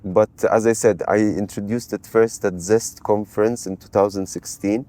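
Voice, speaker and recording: A middle-aged man from Malta talks as a podcast guest in a low, warm voice. He tells his stories in a rambling, animated way, in relaxed interview chat. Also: normal speed. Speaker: guest, AI expert.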